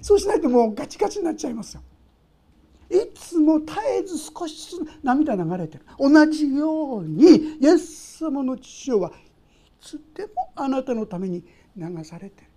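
A woman preaching a heartfelt sermon in a chatty, direct way, often turning to speak to her listeners. Her voice sits a little high and swings widely in pitch. The tone is mellow and rounded rather than bright. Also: sing-song, normal speed. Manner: emotional, conversational, addresses listeners directly.

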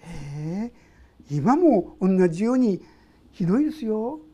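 A woman's voice: mid-range voice, big pitch swings, measured pace, mellow, slightly rough. A woman preacher giving an emotional, conversational sermon, speaking straight to her listeners.

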